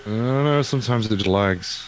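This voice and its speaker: A man's voice: on the low side, normal speed, slight background noise. A man chatting casually as a player in a tabletop game. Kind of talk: casual chat.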